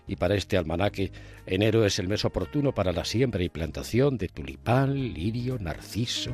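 A man's voice: lowish voice, expressive, normal speed, a little mellow, soft background music. A man reading a scripted radio column in an ironic, dryly humorous manner. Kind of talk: scripted opinion column read on air.

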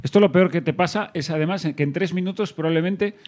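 A man in a casual chat, throwing in quick questions and remarks. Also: on the high side, darkish tone.

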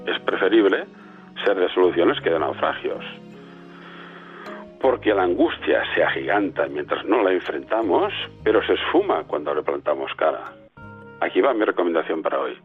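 A man giving a scripted, measured motivational talk as a radio show's coach, calling in by phone. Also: low voice, very animated, soft background music. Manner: measured, reflective delivery. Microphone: phone call. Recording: tinny phone line.

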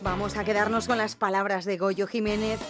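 A woman radio host with a Spanish accent reading a scripted introduction in a clear, measured way. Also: mid-range voice, level tone, over music. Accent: Spanish from Spain.

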